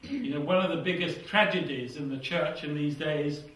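Older British male preacher, fervent, drops to a hush at phrase ends; distant, very reverberant hall. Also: a little high, normal speed. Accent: British English. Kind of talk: sermon with scripture reading. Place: small church hall with seated congregation. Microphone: lapel mic. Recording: echoey hall, somewhat far from mic.

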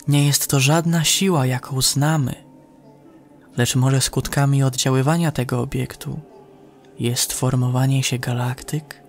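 A man narrating a scripted sci-fi horror audio story in a solemn, measured way. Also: mid-range voice. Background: music behind the voice.

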